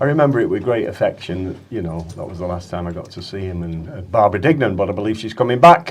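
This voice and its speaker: A man with a Manchester accent and fairly low pitch rattles along very fast with hardly any pauses, his intonation lively and his loudness swinging widely. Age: 70s. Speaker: radio presenter. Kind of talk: casual chat.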